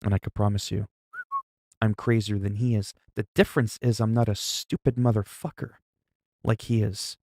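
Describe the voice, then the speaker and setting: A man hosting a livestream, chatting loudly in a mock-stern, profane way with quick swings in volume. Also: fairly low pitch, little pitch movement, dry recording, clean studio sound. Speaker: livestream host. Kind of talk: casual livestream chat.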